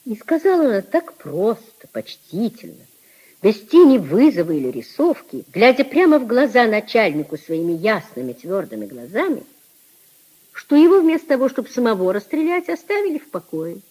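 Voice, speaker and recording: A woman narrating a 1950s radio play in an expressive, declamatory reading style. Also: on the high side, normal speed, breathy edge, rough recording.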